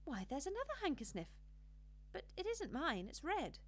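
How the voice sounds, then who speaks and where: A woman's voice: sits high, sing-song, moderate pace, slight background noise, voice pushed up. A woman voicing a curious, plaintive little girl in a storybook, with a childlike, pleading way of asking things. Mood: eager, curious.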